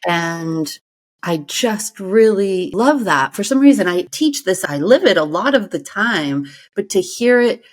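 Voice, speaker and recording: A woman's voice: mid-range voice, animated, a little slow. A woman podcast host whose first language is French, asking curious follow-up questions in a casual chat.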